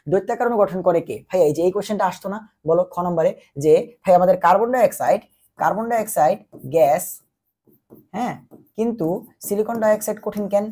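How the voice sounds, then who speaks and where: A young man tutors chemistry for exams while running a fever. His voice is husky and mellow, and he keeps quizzing the listener and answering his own questions. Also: sits high, fast. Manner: repetitive call-and-answer teaching, quizzing the listener. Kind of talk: exam-prep lecture.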